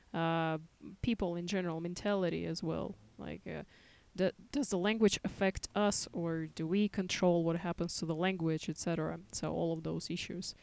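Female guest from Russia, Russian native, lowish voice, modest and laughs easily. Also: darkish tone, dry recording. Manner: modest, laughs often, thoughtful pauses. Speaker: guest, English teacher. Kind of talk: casual interview chat.

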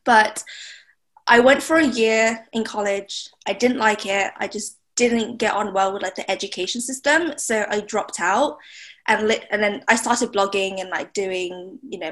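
A woman's voice: mid-range voice, a little slow, fairly bright tone. A young woman from Thailand, a blogger being interviewed, chatting casually with lots of fillers and laughs. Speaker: blogger, guest.

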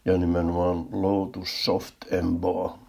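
An older man telling a humorous first-person story in a dry, deadpan way. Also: low voice, gravelly, slightly rough.

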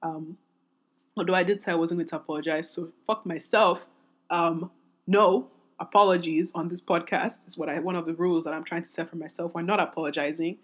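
A woman in her twenties hosting a solo podcast, talking in a candid, rambling way with many restarts, her voice raspy and strained from singing. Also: fairly low pitch, steady tone, a little fast. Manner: rambling, self-interrupting, candid. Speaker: podcast host.

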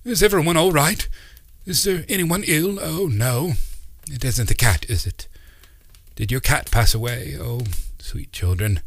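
A man voicing an eccentric, excitable old uncle who rambles in a fussy, theatrical way. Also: medium pitch, measured pace, dry recording, voice pushed up. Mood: flustered.

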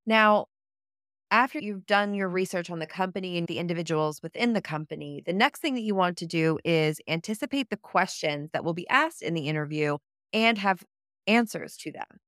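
Upbeat, tidy woman advice vlogger, clear voice. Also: fairly low pitch, normal speed, a bit bright, dry recording, studio quality. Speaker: career advice vlogger and host. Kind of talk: scripted-sounding advice vlog to listeners.

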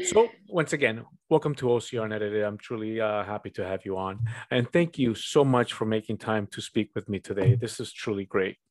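A man's voice: fairly low pitch, a little fast, few pauses, a little mellow. A man hosting a casual interview podcast on a video call, friendly and upbeat, with fillers and laughs. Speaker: podcast host.

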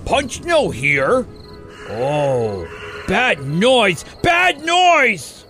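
A man's voice: high-pitched, wildly swooping pitch, drawn-out words, pushed and bright, faint music behind, full character voice. A man playing a dim-witted, childish brute who barks blunt exclamations in broken caveman speech for an audio drama. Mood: alarmed.

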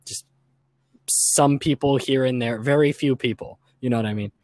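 Regular guy chatting on a podcast, reflective and earnest, medium pitch, dry recording. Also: moderate pace, a little mellow, no echo. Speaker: podcast guest or co-host. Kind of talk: casual, reflective discussion.

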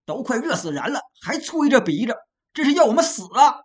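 A woman voicing exhausted male foot soldiers who shout back in protest. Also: sits high, sing-song, brisk, voice pushed up. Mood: defiant.

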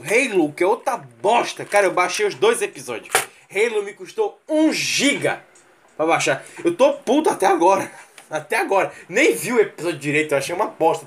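Brazilian guy ranting on his stream, cursing a lot, kinda high-pitched. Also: fairly bright tone. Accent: Brazilian Portuguese. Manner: profane, mocking, sound effects and mimicry. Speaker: livestream host. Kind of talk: casual rant.

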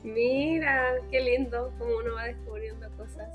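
A Chilean woman speaks as the host of an interview podcast. Her voice sits a little high. She keeps the exchange casual and conversational, and faint music can be heard along with her. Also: steady tone, moderate pace, phone-quality sound.

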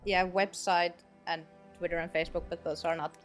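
A woman's voice: on the low side, flat delivery, fairly quick, music in the background. A Finnish woman, a native Finnish speaker, chatting casually as a podcast guest and laughing easily between phrases. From Finland. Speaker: guild master guest.

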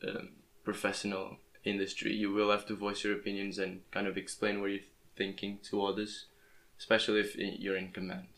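A young man whose first language is Portuguese talks casually into his podcast microphone. His voice sits low and stays flat, and he often stumbles and restarts his words as he goes. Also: brisk, few pauses. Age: young adult. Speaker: podcast host. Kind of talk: casual interview chat. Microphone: plugged-in podcast microphone.

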